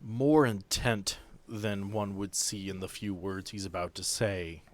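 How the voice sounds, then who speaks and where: A man with a fairly low voice serves as game master for a tabletop game. He improvises narration, sets out scenes and puts choices to his players. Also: steady tone, measured pace.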